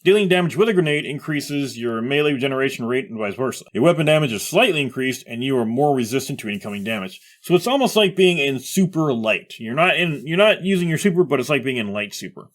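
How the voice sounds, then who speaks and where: A man with a medium-pitched voice delivers casual commentary on a game. He moves between reading aloud and offering rambling, off-the-cuff reactions, working through his thoughts as he speaks. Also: expressive, fast talker, few pauses. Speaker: gaming commentator.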